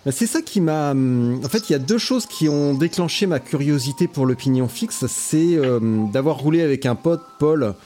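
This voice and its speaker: A French man hosting a relaxed, familiar conversation and swearing now and then. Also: on the high side, moderate pace, few pauses. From France. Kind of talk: casual conversation.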